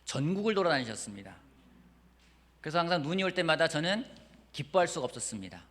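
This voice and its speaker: Male pastor, lively storytelling sermon, bright higher voice, long church-hall reverb. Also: fast talker. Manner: lively storytelling preaching, swings from quiet to emphatic. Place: church sanctuary.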